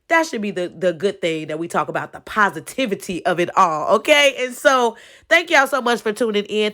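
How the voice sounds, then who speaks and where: A woman's voice: medium pitch, fairly bright tone. A woman hosting her own podcast, talking casually to listeners with a stuffy nose. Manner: chatty, folksy, addresses listeners as y'all, frequent "okay?". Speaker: podcast host. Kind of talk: casual solo podcast talk.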